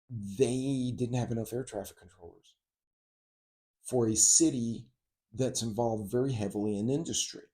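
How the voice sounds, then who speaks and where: A middle-aged man with a low, very mellow and relaxed voice. He talks like a vlogger giving informal advice, wandering off into asides as he goes. The delivery is conversational and unscripted. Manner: rambling, conversational, frequent asides. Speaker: host of a preparedness and travel channel. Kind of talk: casual informal vlog monologue with advice.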